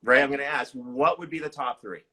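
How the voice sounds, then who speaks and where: A man's voice: mid-range voice, a little fast, pushed and bright. A man hosting a podcast interview in casual chat, enthusiastic and complimentary toward the guest.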